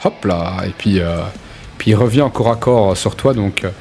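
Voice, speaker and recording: A man's voice: lowish voice, normal speed, a little mellow, faint music behind. A man running a tabletop role-playing game, narrating in an informal, hesitant but vivid way. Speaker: game master.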